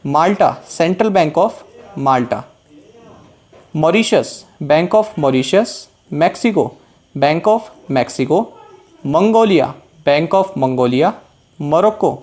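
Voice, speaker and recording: A man's voice: a little high, animated, darkish tone. A man teaching an exam-prep lesson, reading out a long list and stressing the items that matter. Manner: reads out a list slowly, stressing key items.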